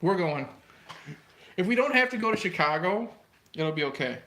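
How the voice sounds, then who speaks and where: Teasing man with a higher voice. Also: animated, moderate pace, bright, forceful tone. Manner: teasing, laughing banter. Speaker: livestream co-host. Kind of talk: casual livestream chat.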